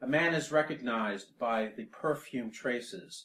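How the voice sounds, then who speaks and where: A man speaks in a normal speaking voice. His pitch sits in the medium range. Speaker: poet. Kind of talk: poetry reading.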